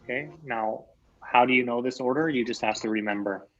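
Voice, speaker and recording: A man from Canada teaches English over a video call, calmly repeating each example so the class can follow. His voice sits in a middle register. The audio is muffled and lo-fi. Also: mid-range voice, fairly quick, soft background music. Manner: patient, repeats key phrases. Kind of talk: online English lesson.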